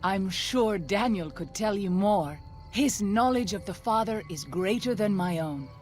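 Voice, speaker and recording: A woman playing a solemn tribal midwife and scout in a video game, speaking formally and with measured, archaic phrasing. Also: medium pitch, expressive, a little mellow, soft background music, close to an everyday voice. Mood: reverent.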